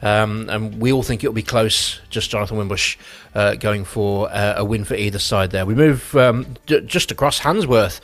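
A man's voice: lowish voice, moderate pace, few pauses. A man presenting a local radio sport slot, chatty and teasing, with plenty of ums and restarts. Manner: chatty, teasing, loose with fillers. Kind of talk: hosting a football predictions segment.

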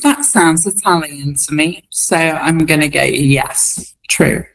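A woman's voice: deep voice, takes it slowly, vocal fry, poor audio. A woman speaking as an interview guest, reflecting in an earnest, thoughtful way. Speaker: interview guest, comedy performer.

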